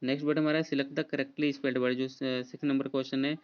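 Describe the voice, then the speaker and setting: A man's voice: mid-range voice, little pitch movement, rapid-fire, smooth. Indian man spelling words letter by letter. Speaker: exam prep teacher. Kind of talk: spelling quiz walkthrough. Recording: dull lo-fi voice recording.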